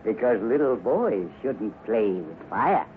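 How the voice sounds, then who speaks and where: An actor playing a cold, scheming villainous colonel in a 1950s radio drama, speaking with menace. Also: male voice, on the low side, sing-song, takes it slowly. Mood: cruel. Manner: menacing, sneering, shouts in a struggle. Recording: tinny old radio broadcast with hiss.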